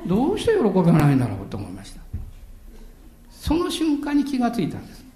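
An older man preaching in an echoey room. His voice sits high and swings widely in pitch as he tells stories with dramatic pauses and the odd chuckle. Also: huge pitch swings, dark tone. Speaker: pastor. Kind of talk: sermon.

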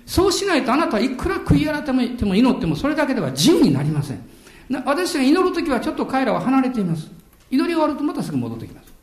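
Animated older man preaching, lively pitch. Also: echoey room. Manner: animated storytelling, dramatic pauses, chuckles. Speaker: pastor. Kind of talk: sermon.

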